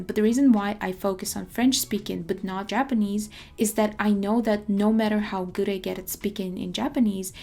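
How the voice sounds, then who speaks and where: A young woman from Russia, a native Russian speaker, talking in a measured, articulate way as she presents a semi-scripted language-learning video. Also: mid-range voice, gravelly, dark tone.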